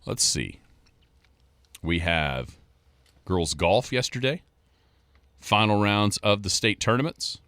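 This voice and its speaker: A man's voice: lowish voice, expressive, slow pace, long pauses, bright, forceful tone, smooth, no room sound. A man hosting a sports radio show, chatting in an easygoing, joking, rambling way as he runs through scores.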